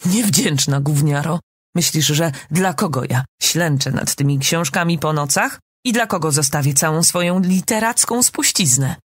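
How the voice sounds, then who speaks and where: A woman's voice: low-pitched, normal speed, slightly rough, no room sound, clean studio sound. Woman voicing a flamboyant middle-aged woman writer. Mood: theatrical. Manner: lofty and theatrical, then soothing. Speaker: audiobook reader. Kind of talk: dramatic audiobook reading.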